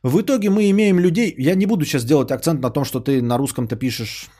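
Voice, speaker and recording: A man's voice: on the high side, quick pace, warm tone. A man, a podcaster and streamer, ranting in a sarcastic, indignant tone and swearing freely as he answers a viewer.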